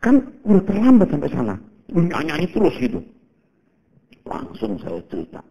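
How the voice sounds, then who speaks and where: A man in his fifties from Indonesia preaching a sermon as a pastor, telling stories in a casual, animated way and calling the congregation "saudara". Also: on the high side, moderate pace, gravelly, slightly rough, muffled recording. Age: 50s. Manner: animated storytelling, shifts between loud exclaims and hushed prayer.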